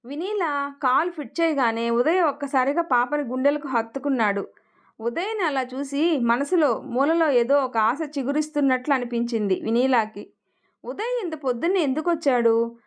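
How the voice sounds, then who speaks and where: A woman narrating an emotional family story with an expressive, feeling reading. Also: high voice, moderate pace.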